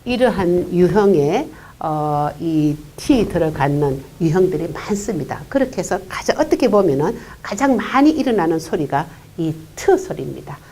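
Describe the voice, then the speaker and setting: A woman teaching English pronunciation in a lecture, explaining unhurriedly with many "uh" fillers and quietly voicing single consonant sounds. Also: lowish voice, big pitch swings, normal speed, hardly any pauses. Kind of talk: classroom-style pronunciation lecture.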